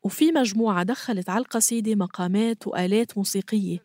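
A woman's voice: medium pitch, quick pace, dry recording. Woman narrating a podcast, dry sound. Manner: calm, explanatory storytelling. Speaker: podcast host. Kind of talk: scripted narration.

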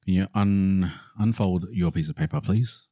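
Low-voiced man running a game. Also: normal speed, warm tone. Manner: laughing, easygoing game host. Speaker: podcast co-host running a game. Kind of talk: casual chat.

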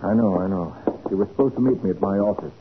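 An actor playing a brisk, commanding private detective in a 1940s radio drama. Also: male voice, deep voice, natural voice. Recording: tinny old radio broadcast with hiss.

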